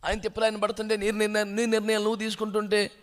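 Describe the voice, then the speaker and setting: A man preaching a sermon, animated, asking rhetorical questions and dropping English words into his talk. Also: high voice, racing. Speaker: pastor.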